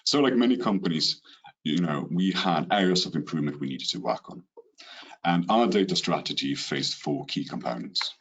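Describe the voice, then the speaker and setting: Deep husky Swedish-accented man. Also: normal speed, highs cut off. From Sweden. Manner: steady, rehearsed delivery with occasional "you know" fillers. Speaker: webinar presenter. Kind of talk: business presentation. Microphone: computer mic on a video call.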